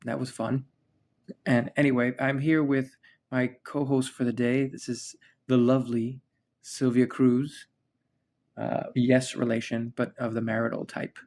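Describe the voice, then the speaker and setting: A man's voice: medium pitch, flat delivery, a little slow, a little mellow. A man from the United States hosting a podcast, chatting casually and rambling with many fillers and restarts. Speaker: podcast host. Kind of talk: casual chat.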